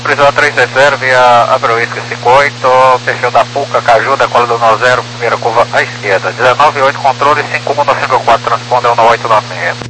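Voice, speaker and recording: A man's voice: mid-range voice, steady tone, brisk, few pauses, pushed and bright. A Brazilian man speaking as an airline pilot in clipped radio phraseology over a crackly, military-sounding aviation radio. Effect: crackly aviation radio transmission. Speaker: airline pilot radioing air traffic control. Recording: noisy, humming air-band radio transmission.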